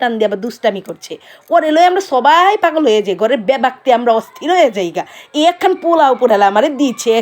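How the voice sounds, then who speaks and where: Very wide pitch swings in a woman's high voice. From Old Dhaka, Bangladesh. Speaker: cooking vlogger. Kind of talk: cooking tutorial in casual dialect.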